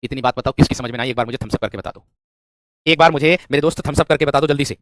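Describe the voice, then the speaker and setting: A man's voice: mid-range voice, racing, a bit bright, no room sound. A man teaching an exam-prep grammar lesson, asking the class questions and answering them himself, repeating key phrases. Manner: repeats phrases, often says "my friend".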